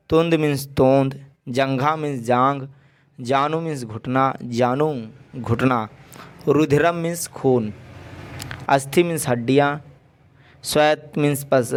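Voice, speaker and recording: A man's voice: medium pitch, clean tone. A male teacher giving an exam-prep lesson, drilling word lists with frequent check-ins and playful examples.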